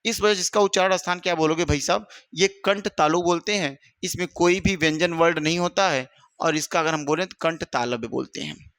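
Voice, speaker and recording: Male teacher drilling exam students, high bright voice, dry room, asks and answers his own questions. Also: brisk, no room sound. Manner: addresses students as "my brother". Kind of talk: exam-prep grammar lesson.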